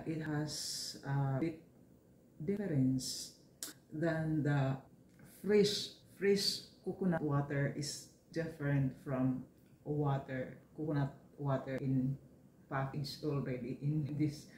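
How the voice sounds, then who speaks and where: A woman's voice: sits low, a little mellow, roomy sound, slight background noise, low-quality recording. A woman with a Filipino accent chatting casually in her home vlog, hesitant and searching for words, often calling out to her viewers. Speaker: vlogger.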